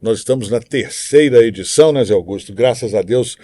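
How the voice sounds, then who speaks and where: A man's voice: medium pitch, brisk, warm tone. A man with a Brazilian accent hosting a live podcast, interviewing and making announcements.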